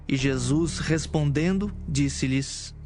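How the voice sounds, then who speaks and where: A man's voice: a little high, slow, a little mellow, soft background music. A man with a Brazilian accent giving scripted narration of scripture as a narrator.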